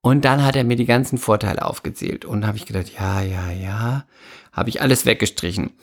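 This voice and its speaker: A man co-hosting a casual chat podcast, telling an animated, teasing story with acted-out dialogue. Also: fairly low pitch, a little fast, husky. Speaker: podcast co-host.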